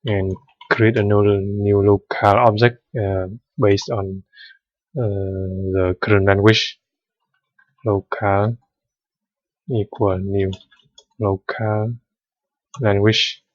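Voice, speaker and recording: A man's voice: lowish voice, level tone, slow, pauses often, dry recording, muffled recording. A man whose first language is Vietnamese, explaining code step by step in a screen-recorded tutorial with many hesitant fillers. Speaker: programming tutor.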